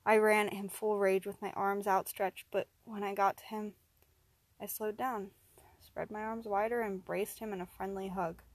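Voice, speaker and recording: A woman's voice: medium pitch, level tone, moderate pace, no room sound. Woman narrating a first-person horror story.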